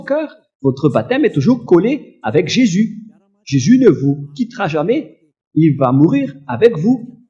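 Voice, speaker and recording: Lively-pitched French-speaking preacher with a cough. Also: male voice, lo-fi sound. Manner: slow, emphatic preaching with many hesitations. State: slight cough. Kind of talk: sermon teaching.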